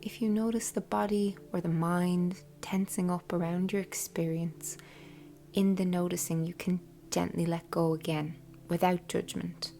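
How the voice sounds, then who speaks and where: Soft, low, breathy woman guiding meditation. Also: level tone. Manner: soft, breathy, half-whispered, unhurried delivery. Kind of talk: guided meditation, soothing scripted narration. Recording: soft music bed behind voice. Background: quiet background music.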